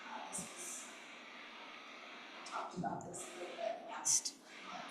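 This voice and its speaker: A woman chairing a committee meeting over a video call. She talks quietly and haltingly, with many fillers. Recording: echoey room, faint noise.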